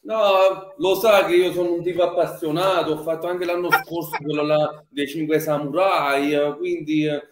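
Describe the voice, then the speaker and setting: A man's voice: fairly high pitch, fairly even intonation, moderate pace, few pauses. A man in his thirties chatting casually on a video call as a fan guest. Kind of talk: casual chat. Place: small room on a video call. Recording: echoey room, background noise.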